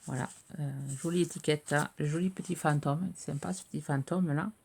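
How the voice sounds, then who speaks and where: A middle-aged woman with a low, gravelly voice talks casually through craft pieces she received. She hesitates often, filling gaps, and her voice cracks a little now and then. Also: fairly even intonation, moderate pace, dark tone. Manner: hesitant, many "euh" fillers, chatty. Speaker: craft video host. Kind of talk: casual show-and-tell of mail.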